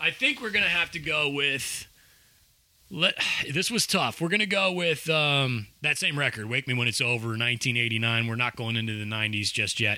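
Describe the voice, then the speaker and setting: An unremarkable speaking voice from a man with an American accent, medium in pitch, at a moderate pace with lively intonation. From Nebraska. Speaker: rock radio host and former bartender. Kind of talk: casual chat.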